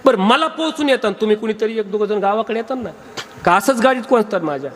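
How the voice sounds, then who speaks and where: A man's voice: high voice, expressive, fast talker. A male kirtan preacher giving a comic sermon, teasing and quizzing his audience at a live gathering.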